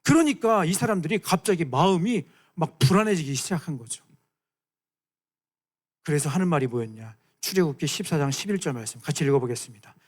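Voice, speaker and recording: Animated high-voiced male youth pastor. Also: brisk. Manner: playful, acts out voices, questions the listeners. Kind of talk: lively sermon to students.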